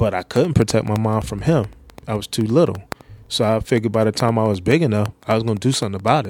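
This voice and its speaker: With a New York accent, a man talks at a very fast pace and a medium pitch. His pitch varies in an ordinary way, and noticeable background noise is heard. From Long Island, New York. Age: 40s. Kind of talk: casual conversation.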